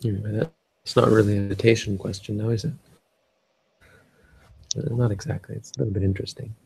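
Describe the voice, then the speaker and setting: A man's voice: fairly low pitch, flat delivery, a little fast, vocal fry, a little mellow, husky. A Canadian man giving a rambling casual talk on a live stream, often restarting and searching for words. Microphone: live stream setup.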